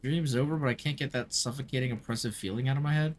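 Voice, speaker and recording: A streamer giving casual live gameplay commentary in an informal, expressive way, with plenty of swearing. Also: mid-range voice, fast talker, a little hiss or hum. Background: game music.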